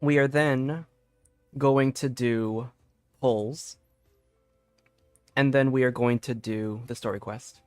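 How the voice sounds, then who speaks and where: A man's voice: medium pitch, steady tone, slow, pauses often, a little mellow, clear, resonant tone, dry recording. A man streaming a game, chatting casually and thinking aloud in a loose, rambling way. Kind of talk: casual livestream gameplay chat. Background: faint game music.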